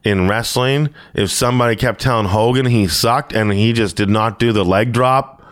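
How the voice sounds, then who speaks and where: A comedian from Ontario hosting a casual podcast chat, telling animated stories and acting out quotes. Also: male voice, medium pitch, normal speed, no room sound, studio quality. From Ontario, Canada. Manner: animated storyteller, acts out quotes.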